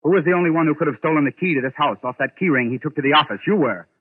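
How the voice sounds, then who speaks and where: An actor playing a shrewd, sardonic amateur sleuth with a probing, theatrical manner in a 1940s radio drama. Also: male voice, fairly high pitch, very fast, breathy edge. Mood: sardonic, pressing. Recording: muffled, tinny 1940s radio recording.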